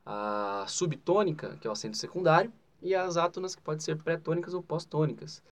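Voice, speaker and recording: A man's voice: on the high side, fairly quick. A man with a Brazilian Portuguese accent giving a grammar lesson in an explanatory way, often adding "né?" and leaning hard on key terms. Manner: explanatory, with frequent "né?" asides and spoken emphasis. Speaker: teacher.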